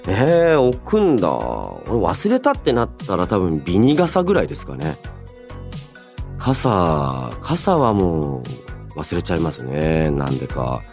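A young man hosts a casual radio show with very animated intonation. He is chatty and thinks aloud in polite but informal speech, over faint music. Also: deep voice, measured pace. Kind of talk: casual solo radio talk, reading and answering listener mail.

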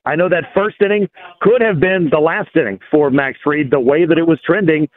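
A man calling in as a guest analyst, laying out his points in a measured, thoughtful way over the phone. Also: fairly high pitch. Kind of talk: casual sports talk. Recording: tinny phone line.

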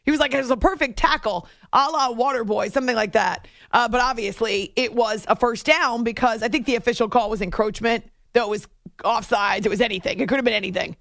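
A woman hosting a sports radio show in a chatty, animated monologue from a studio. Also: on the high side, fairly quick, vocal fry, no echo. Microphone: close studio microphone.

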